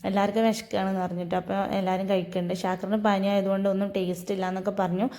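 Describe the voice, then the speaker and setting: Fast, chatty young woman. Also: mid-range voice, level tone, warm tone. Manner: chatty, storytelling, frequent tag "ട്ടോ". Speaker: vlogger. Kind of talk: casual vlog voice-over.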